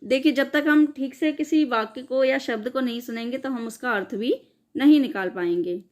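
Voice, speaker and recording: A woman's voice: high-pitched, normal speed. A woman teacher giving an exam-prep lecture, explaining step by step and answering her own questions.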